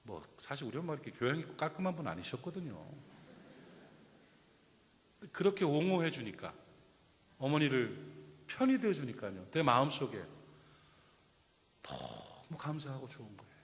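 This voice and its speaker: A middle-aged man preaching a Sunday sermon as pastor, shifting between loud exhortation and quiet personal storytelling. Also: mid-range voice, sing-song, normal speed, long pauses, slight background noise. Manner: impassioned preaching that drops to soft storytelling. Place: church sanctuary. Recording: reverberant church hall.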